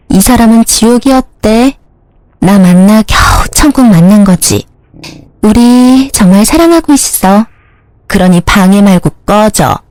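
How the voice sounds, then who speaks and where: A woman's voice: a little high, a little mellow, no room sound. A woman voicing a brazen young mistress who talks down to everyone in a haughty, mocking way. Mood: smug. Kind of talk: dramatized story narration.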